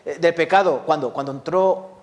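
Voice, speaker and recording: Guy preaching a sermon, kinda high voice, keeps asking the church questions and talking right at them. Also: normal speed. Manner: rhetorical questions, lively rises and drops; addresses congregation directly. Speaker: pastor.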